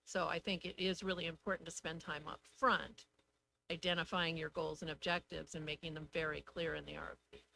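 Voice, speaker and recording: Bright, creaky-voiced woman giving expert advice. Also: low voice, level tone, a little fast, slight background noise, rough recording. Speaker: housing development consultant. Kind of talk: informal expert advice at a public meeting. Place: indoor public meeting.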